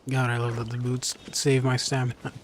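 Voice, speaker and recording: A man with a mid-pitched voice gives casual commentary while gaming. He is jokey and wry. There is faint noise and some clicking behind him. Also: monotone, fairly quick. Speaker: game streamer.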